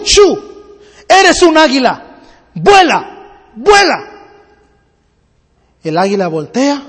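A man preaching a sermon and telling a parable, using rhythmic repetition that builds slowly, in a church hall. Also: sits high. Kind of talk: sermon with storytelling. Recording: long hall reverb.

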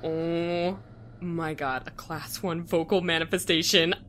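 A woman's voice: lowish voice, steady tone, measured pace, fairly bright tone. A woman playing an eager, earnest young woman who believes in ghosts and plays along politely. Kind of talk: audio drama acting.

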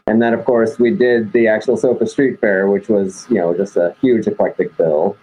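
A middle-aged man and band member, reminiscing wryly in a relaxed, husky voice. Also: on the low side, moderate pace, low-quality recording. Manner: reminiscing, wry, relaxed storytelling. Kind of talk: casual interview chat.

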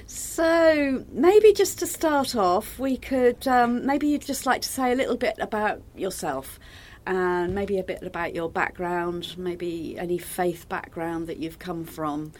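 A woman hosting a relaxed, conversational interview. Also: fairly low pitch, unhurried, hardly any pauses. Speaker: interviewer and host.

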